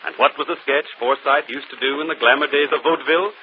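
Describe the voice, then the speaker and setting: An actor playing a brilliant, self-assured gentleman detective in a 1940s radio mystery, explaining calmly. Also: medium pitch, quick pace, lightly acted. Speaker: detective and show host. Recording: muffled old radio broadcast, faint hiss.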